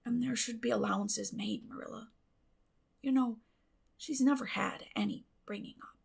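A woman voicing a meek, soft-hearted older man with a feeble, halting, quiet manner in a storybook reading. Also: on the high side, fairly even intonation, creaky, slightly rough, full character voice. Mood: timidly pleading.

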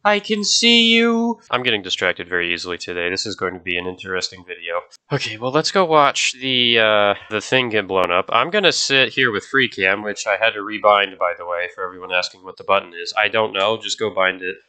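Speaking fairly quickly with hardly any pauses, a young man uses a lowish, animated voice that is bright, forceful, clear and resonant. He hosts a gaming video while sick and nasal with a stuffy nose, chatting casually and distractedly to viewers.

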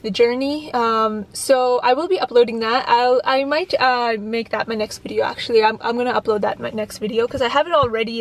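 A woman of twenty-one, raised in Canada, chatting casually to her viewers from a parked car while answering their questions, full of fillers and restarts. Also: fairly high pitch. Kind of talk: casual Q&A vlog. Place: parked car, indoors of vehicle. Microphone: camera on dashboard, facing her.

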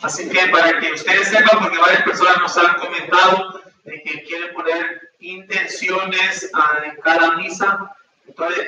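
Young priest in an echoey chapel. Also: male voice, fairly high pitch, sharp tone. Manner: informal, many fillers between the prayers. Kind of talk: celebrating mass and giving announcements. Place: small chapel with altar, indoors. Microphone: far camera. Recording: echoey room from far off, faint noise.

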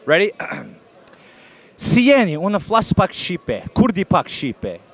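A man's voice: high voice, very animated, slow pace, creaky. A man hosting a casual street interview outdoors, playful and teasing, switching between languages. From United States, Virginia. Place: outdoors in a busy urban street area.

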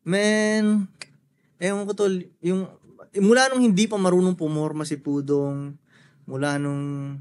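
A man's voice: sits high, fairly even intonation, measured pace, pauses often, clean tone. A young man chatting casually on a podcast, laid-back and slangy, swearing often. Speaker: podcast guest.

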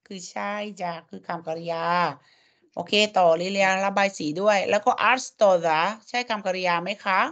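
A woman's voice: medium pitch, steady tone, moderate pace, a bit bright. A woman teaching a language lesson, coaxing students and drilling sounds syllable by syllable. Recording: dull lo-fi audio.

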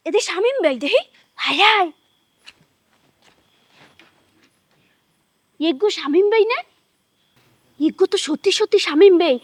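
An actress playing a scheming, sharp-tongued village wife who scolds her husband. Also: very high-pitched, animated, fairly quick, no echo. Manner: scolding, bossy. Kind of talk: village comedy drama acting.

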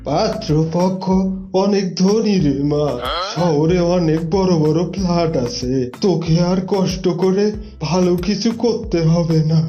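A man's voice: high-pitched, a little slow, dark tone, lo-fi sound, faint music behind. A man voicing a middle-aged father fox in a cartoon, anxious and polite, with a coaxing, fatherly manner. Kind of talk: cartoon fairy-tale character dialogue.

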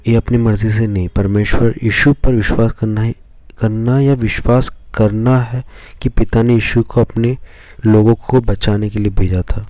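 A man reading Scripture and preaching as a pastor, slow and measured in short phrases. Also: fairly low pitch, steady tone, warm tone, dry recording, dull audio. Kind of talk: devotional Bible reading and sermon.

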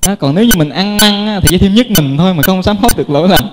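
A man's voice: high-pitched, animated, very fast, background noise. A Buddhist monk with a Southern Vietnamese accent giving a folksy, joking sermon and speaking directly to his listeners in a temple hall. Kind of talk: sermon with humorous stories. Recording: reverberant hall.

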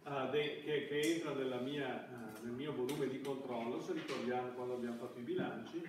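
His voice sits in the mid range with a fairly even intonation as this middle-aged university lecturer halts and hesitates through a classroom lecture, leaving words unfinished. The indoor room echoes, and the distant camera at the back also captures background noise.

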